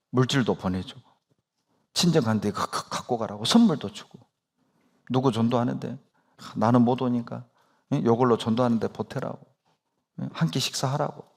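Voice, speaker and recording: A man's voice: medium pitch, a little mellow. A male pastor preaching a sermon, speaking emphatically and asking his congregation rhetorical questions.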